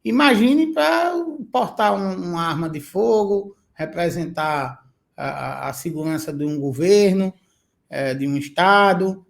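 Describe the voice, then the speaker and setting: A man's voice: sits high, animated, unhurried, creaky. A male podcast host, speaking emphatically and indignantly, with hesitant fillers. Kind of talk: interview questions and commentary.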